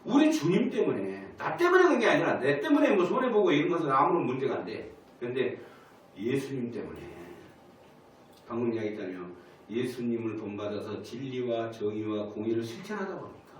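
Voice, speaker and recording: A man's voice: medium pitch, big pitch swings, a little fast, slight background noise. A male pastor preaching a Sunday sermon and questioning the congregation. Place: church sanctuary. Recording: echoey church hall from a distance.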